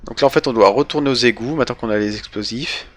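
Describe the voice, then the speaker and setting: Young french guy on a game stream, normal pitch, rambly hesitant casual commentary. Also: fast, a little hiss or hum. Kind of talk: casual live gaming commentary.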